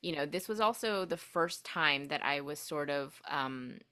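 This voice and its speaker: Young woman with a low voice, reflective podcast guest with many fillers, grew up speaking Korean first. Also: animated, unhurried, bright, forceful tone, clear, resonant tone. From United States. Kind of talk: casual interview storytelling.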